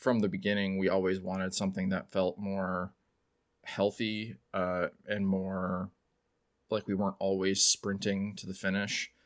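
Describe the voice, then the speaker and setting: Fairly slow, monotone speech with flat intonation in an American accent, on a very clean recording with a silent background. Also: man. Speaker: game studio co-founder and CEO. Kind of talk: casual interview chat.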